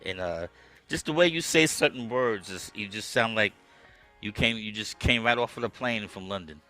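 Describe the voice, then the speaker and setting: A man hosting a podcast, chatting casually with his guest in a relaxed, conversational way from his own studio setup. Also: lowish voice, normal speed, faint music behind. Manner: relaxed, conversational, with frequent "um" and "okay". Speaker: podcast host. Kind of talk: casual interview chat. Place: home music studio.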